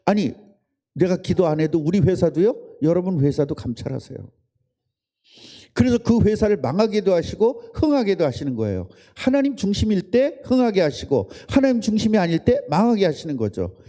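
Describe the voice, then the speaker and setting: A man's voice: high voice, big pitch swings, fairly quick, mellow. A man preaching a casual sermon, chatting with and quizzing his congregation and its children. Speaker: pastor. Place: church service room.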